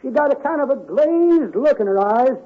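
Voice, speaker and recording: A man's voice: lively intonation, moderate pace. An actor playing a folksy, rambling old man who spins tall tales and calls everyone kids, in a vintage radio comedy. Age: older. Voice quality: high cracked old-timer voice, drawling. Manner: chuckling yarn-spinner, calls everyone kids. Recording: muffled vintage radio recording.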